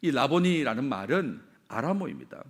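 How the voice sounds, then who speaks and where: Lively middle-aged Korean pastor preaching. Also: male voice, medium pitch, moderate pace. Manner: expressive, repeats key phrases, asks the congregation questions. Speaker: senior pastor. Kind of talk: sermon.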